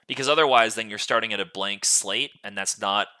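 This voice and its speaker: Guy hosting a gaming podcast, kinda low but really sharp bright voice, rambles on explaining stuff. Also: fairly quick, clean tone. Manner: casual swearing. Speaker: podcast host. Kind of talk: casual gaming podcast chat.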